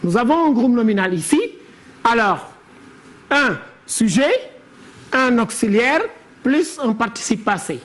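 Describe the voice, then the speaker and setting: A woman's voice: a little high, expressive, measured pace, long pauses. A woman teaching a classroom lesson on verse. She explains step by step and calls on pupils by name. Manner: didactic, questions pupils by name.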